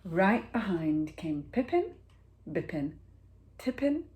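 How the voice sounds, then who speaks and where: A woman teacher reading a picture book aloud to children, with expressive, deliberate storytelling and dramatic pauses. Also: mid-range voice, background noise.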